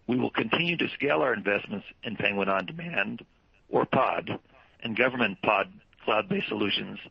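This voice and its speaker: A man presenting as a company executive, reading prepared earnings call remarks in a formal, measured way. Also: fairly low pitch, vocal fry, husky, no echo, lo-fi sound. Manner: formal, measured read-out delivery.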